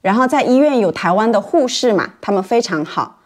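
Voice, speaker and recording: A woman from mainland China hosting a casual podcast chat for Chinese learners, laughing often and getting animated when she tells stories. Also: mid-range voice, fairly quick. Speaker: podcast host.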